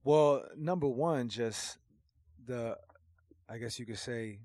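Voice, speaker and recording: Man, native Portuguese speaker, slangy and emphatic, casual chat, mid pitch, dry sound. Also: slow, no echo. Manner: animated slangy talk, emphatic swearing. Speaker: guest rapper.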